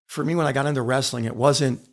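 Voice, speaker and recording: A man's voice: mid-range voice, steady tone, fast. A middle-aged American man telling personal stories in an interview, speaking earnestly and emphatically, repeating phrases for weight. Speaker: podcast guest, author and former wrestler. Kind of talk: reflective personal storytelling in an interview.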